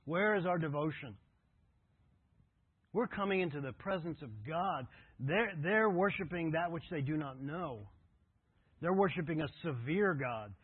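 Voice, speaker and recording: Pastor guy preaching, husky and a bit high, sounds like a thin phone line, dry. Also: expressive, unhurried, pauses often, no room sound. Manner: conversational storytelling, earnest exhortation. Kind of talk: sermon. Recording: tinny phone-like audio.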